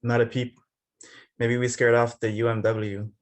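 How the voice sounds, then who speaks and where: A man's voice: medium pitch, little pitch movement, measured pace, close to an everyday voice. A man playing a crude, sardonic company henchman with a blunt, needling manner, in a drama table read.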